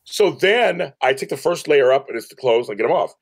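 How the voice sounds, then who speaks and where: A man's voice: medium pitch, lively intonation, a little fast, no room sound. A man in his fifties speaking as an interview guest, telling stories casually and emphatically, repeating phrases and acting out quoted dialogue. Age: 50s. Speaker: podcast guest, professional organizer. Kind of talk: animated storytelling in a casual interview.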